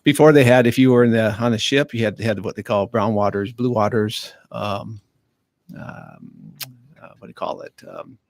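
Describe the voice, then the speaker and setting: Low-voiced man talking haltingly on radio. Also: big pitch swings, gravelly, no room sound. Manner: halting, many fillers and restarts. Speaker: county veterans affairs officer, studio guest. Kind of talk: casual radio interview. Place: radio studio. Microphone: studio microphone.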